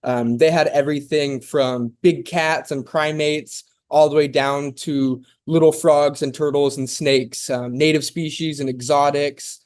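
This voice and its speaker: Rambling, slightly high-voiced male guest. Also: unhurried, hardly any pauses. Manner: relaxed and rambling, with many "um"s and "and stuff". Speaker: guest, zoo founder. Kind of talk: casual interview talk.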